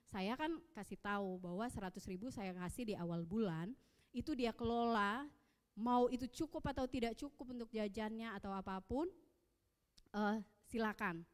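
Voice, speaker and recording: A woman in her thirties with an Indonesian accent, preaching at a youth service and telling personal stories in a lively way. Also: fairly high pitch. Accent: Indonesian, Samarinda. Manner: lively storytelling, acting out dialogue. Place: church hall. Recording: long echo of a church hall.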